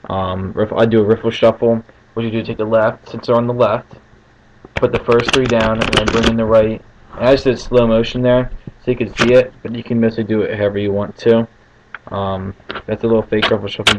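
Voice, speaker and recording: A man giving casual card magician patter as he explains a trick step by step, often checking in with short tag questions. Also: fairly low pitch. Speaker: card trick tutorial host. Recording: muffled lo-fi home recording with faint noise.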